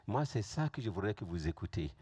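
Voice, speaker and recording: A man with a West African accent and Fulfulde as his first language speaks to a congregation as a guest pastor. His voice is fairly low and distinctly husky. He preaches informally and conversationally, often checking that his listeners follow. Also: very animated, fairly quick, dark tone. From Burkina Faso.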